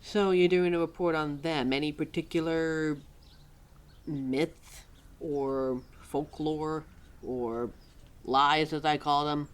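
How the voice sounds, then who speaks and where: Woman playing a slow-talking, chatty lore keeper. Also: low-pitched, smooth. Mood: helpful, chatty. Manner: rambling, talks to self, animated, sighing. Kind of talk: ad-libbed audio roleplay, addressed to a listener.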